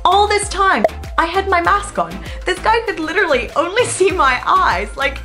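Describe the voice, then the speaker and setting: A woman in her twenties from the Czech Republic with a blended British and North American accent, chatting excitedly as a travel vlogger. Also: very high voice, normal speed. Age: 20s. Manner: chatty and excitable, laughs often. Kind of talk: casual vlog narration. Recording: music playing behind voice-over.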